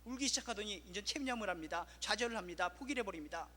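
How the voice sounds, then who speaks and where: A man's voice: sits high, animated, rapid-fire, bright, forceful tone, long reverb tail. A male pastor preaching an impassioned sermon full of rhetorical questions, in a church.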